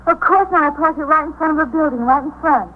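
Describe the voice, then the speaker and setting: Flustered, insistent car-theft victim, voiced by an actress; high pitch, lo-fi old broadcast. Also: female voice, fast talker, natural voice. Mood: indignant. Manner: indignant, insistent. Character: flustered woman reporting her stolen car. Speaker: complainant at a police desk. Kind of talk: 1950s radio drama acting. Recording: tinny old radio broadcast with faint hiss.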